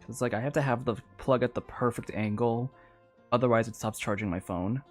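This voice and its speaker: Very low-pitched, excitable woman streamer. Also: brisk, faint music behind. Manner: excitable, rambling, exclamatory. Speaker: game streamer. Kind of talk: casual livestream game commentary.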